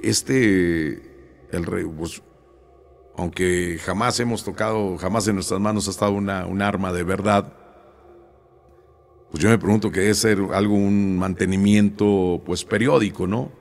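A man's voice: low-pitched, steady tone, a little slow, creaky, long pauses, soft background music. A middle-aged man, telling stories conversationally and recounting talks with people, with frequent fillers. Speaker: storyteller. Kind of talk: casual storytelling to an audience.

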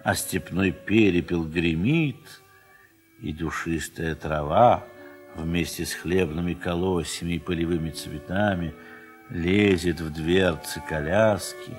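A man narrating a classic literary story for an audio play in a measured, expressive manner, with a husky voice. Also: deep voice, soft background music. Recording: 1970s mono studio recording.

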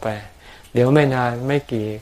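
A Buddhist monk calmly answering questions from his followers in plain words, with homely examples and touches of dry humor. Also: normal speed. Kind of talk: dharma talk answering questions.

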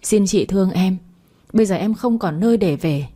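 A woman's voice: mid-range voice, expressive, normal speed, dark tone, husky. A woman reading a story aloud, voicing a young pregnant mistress who begs and pleads tearfully. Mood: pleading. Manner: begging, tearful.

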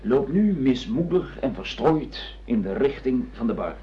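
An actor playing a bossy, impatient grown son in a radio drama, giving commanding instructions. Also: male voice, medium pitch, big pitch swings, measured pace, dark tone. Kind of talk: naturalistic radio drama acting. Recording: dull radio-play recording, faint noise.

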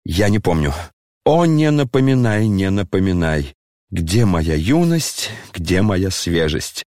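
A man's voice: fairly low pitch, expressive, a little mellow, no echo, clean studio sound, exaggerated voice. A man playing a maudlin old disgraced general. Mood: grandiose. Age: over 60. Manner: slow, tearful, declamatory, pompous. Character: aging disgraced retired general, maudlin, grandiose.

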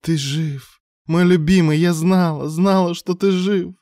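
Man putting on a shrill unhinged young woman. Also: steady tone, unhurried, warm tone, no room sound, clean studio sound. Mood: frantic pleading. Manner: shrill, frantic pleading. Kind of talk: audiobook character voice.

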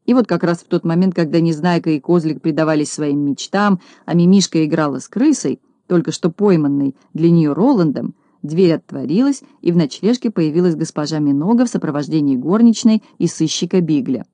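Woman audiobook narrator, storybook reading, low warm voice. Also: fairly quick, hardly any pauses, dry recording.

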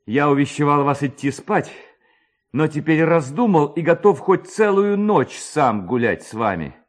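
In a dramatised reading of a classic tale, a man voices a mischievous, spirited young village lad rallying his friends, pitching his voice above his own natural one. The delivery is fairly high, unhurried and lively in intonation, full of exclamation, rousing and defiant.

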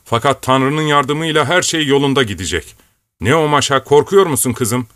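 A man's voice: medium pitch, normal speed, fairly bright tone, no echo, voice pushed up, lightly acted. A man voicing an aging fort commander who gives fatherly, stern orders to his troops and family in a dry-sounding audiobook reading. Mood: reassuring. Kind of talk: audiobook character voice.

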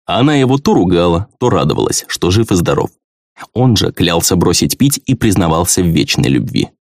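A man narrating a first-person fantasy audiobook in an expressive, conversational manner. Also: low-pitched, brisk, dry recording, clean studio sound.

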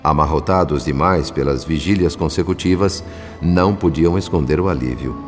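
An actor playing an earnest, reflective spirit narrator with a Brazilian accent, telling a radio drama in solemn, literary style. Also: male voice, a bass voice, normal speed, long reverb tail, music in the background.

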